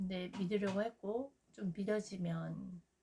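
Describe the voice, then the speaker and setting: This woman's voice has a dark, mellow tone and sits at a medium pitch, somewhat breathy. Her pitch varies in an ordinary way. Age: 40s. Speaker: youtuber, sales trainee. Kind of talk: vlog monologue. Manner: hesitant fillers.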